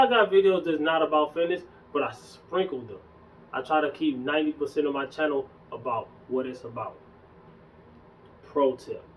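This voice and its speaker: A young man casually talking in a relaxed, slangy way as a fitness vlogger, a bit hoarse from losing his voice. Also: on the high side, distant mic, phone-quality sound. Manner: loose, conversational, slangy. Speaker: fitness YouTuber. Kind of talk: casual vlog chat.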